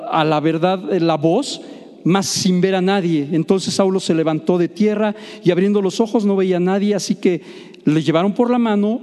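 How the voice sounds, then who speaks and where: A man preaches a sermon, his voice pitched high yet mellow and soft-edged. He reads scripture, then retells it as an animated story with jokes for his listeners. The sound rings out with a long reverb, as in a large hall. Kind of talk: sermon with Bible reading.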